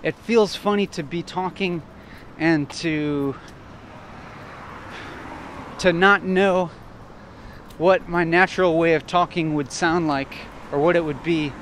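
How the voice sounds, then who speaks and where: A man walking outdoors and thinking aloud in short, broken phrases, at times loud and assertive, almost shouting. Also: a little high, fairly even intonation, slow, long pauses, slight background noise. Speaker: vlogger. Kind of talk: reflective walking monologue. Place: outdoors on a street while walking.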